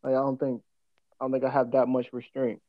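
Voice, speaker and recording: Chatting casually as a podcast co-host, a man with an African American English accent tells personal stories full of profane slang and laughs easily. His medium-pitched voice is delivered completely flat, and the recording is muffled but free of echo.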